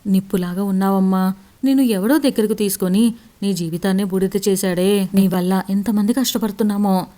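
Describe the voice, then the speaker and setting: A woman's voice: mid-range voice, fairly quick, warm tone, lightly acted. A woman narrator voicing a grieving middle-aged mother who laments her lost daughter.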